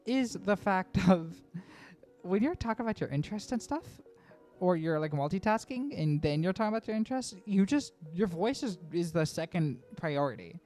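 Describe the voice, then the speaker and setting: A woman's voice: on the low side, animated, moderate pace, mellow, faint music behind. Chatty rambling trans woman vlogger. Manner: rambling, frequent "right?" and laughs. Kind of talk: casual chatty voice-over. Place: home voice-over recording.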